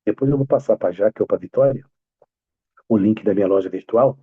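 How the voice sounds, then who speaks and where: A man with a Brazilian accent, a pastor praying softly and then speaking to his congregation about his books over a video call. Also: on the low side, brisk, slightly rough, no echo, narrow, tinny audio. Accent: Brazilian Portuguese. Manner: fervent soft-spoken prayer, then upbeat warm greeting. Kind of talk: prayer and sermon talk.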